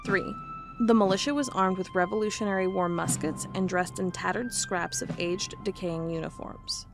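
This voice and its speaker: A woman's voice: fairly low pitch, steady tone, normal speed, music in the background, close to an everyday voice. A woman playing a wry, curious investigator who records a log and reads old case files in an audio drama. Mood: dry, official.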